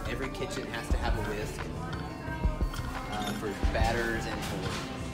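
A man talks at a moderate pace with loud music in the background. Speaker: vlogger showing kitchen tools. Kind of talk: casual vlog chat. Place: shop.

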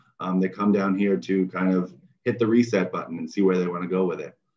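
Over a quiet background, a man with an unremarkable speaking voice talks at a fairly low pitch with ordinary pitch variation. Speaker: nonprofit founder building wind turbines; conference presenter. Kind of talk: online conference presentation. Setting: video call. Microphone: video call.

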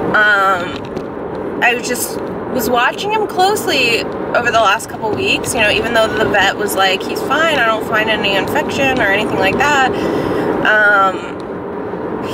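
A woman talks at a fairly slow pace. Loud background noise surrounds her, though the sound itself is dry with no echo. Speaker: vlogger. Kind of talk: casual vlog chat. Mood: concerned, animated. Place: car. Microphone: phone near.

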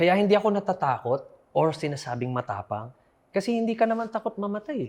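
A man's high voice with very wide pitch swings at a fairly quick pace, on a very clean recording over a silent background. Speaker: actor and fight director. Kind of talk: testimony.

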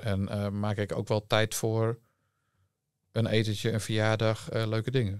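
The man's voice sits at a fairly low pitch against a quiet background. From Netherlands. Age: 50s. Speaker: entrepreneur and investor; guest. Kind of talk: interview. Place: studio. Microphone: studio mic.

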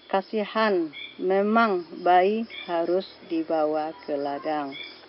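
A woman speaks at a very slow pace in a fairly low voice. Her pitch moves an ordinary amount. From West Kalimantan, Indonesia. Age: 60s. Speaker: farmer. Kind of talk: personal story narration.

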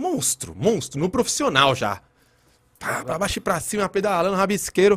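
A man talks in an animated tone with very wide pitch swings at a moderate pace. The background is quiet. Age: 40s. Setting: studio. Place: studio. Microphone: studio mic.

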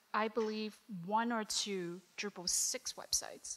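In a very clean recording with a silent background, a woman speaks fairly slowly with a fairly high pitch and a bright, sharp tone. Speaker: devops engineer. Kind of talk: technical presentation. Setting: meetup room with live audience. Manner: halting.

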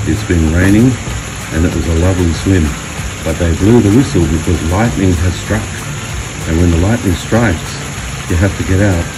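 The speech has long, frequent pauses. Noticeable background noise runs throughout. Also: man, ordinary pitch variation, moderate pace. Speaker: pool visitor vlogger. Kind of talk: casual vlog chat. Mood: relaxed, chatty. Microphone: phone near.

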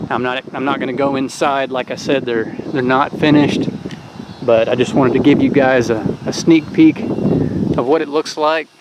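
A man's dry voice with no echo, over loud background noise. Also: moderate pace. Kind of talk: casual walkthrough commentary. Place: open country. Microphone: phone near.

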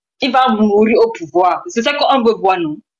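Her pitch swings very widely as the woman speaks at a fairly slow pace. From Netherlands, Cameroonian parents. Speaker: debate participant. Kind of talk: heated debate. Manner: animated.

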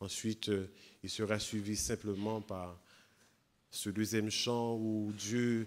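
A man at fairly low pitch, in a monotone, flat intonation. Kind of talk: worship introduction to congregation. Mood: warm, devotional. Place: church. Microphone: handheld.

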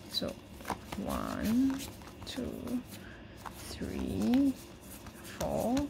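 Noticeable background noise around a woman speaking. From Singapore. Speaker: YouTuber, card collector. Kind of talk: unboxing video commentary. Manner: halting, many fillers. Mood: curious, mildly excited.

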